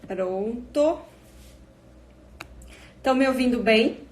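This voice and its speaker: Slow-talking woman hosting a live stream. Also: fairly high pitch. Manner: slow, chatty and welcoming. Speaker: host.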